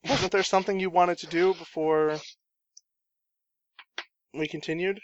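A man acting as game master, briskly organizing players over an online call. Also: high-pitched, steady tone, no echo, lo-fi sound.

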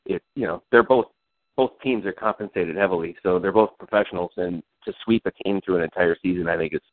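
A man's voice: sits low, fast, no echo. A man co-hosting a casual sports podcast, rambling and self-deprecating and laughing as he talks. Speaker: podcast co-host. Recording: tinny phone-like, dry sound.

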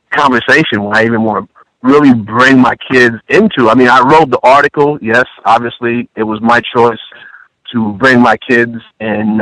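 A man's voice: medium pitch, a bit bright, dry recording, rough recording. A man born in France, a guest on a call-in radio show, defending himself and restarting his words often.

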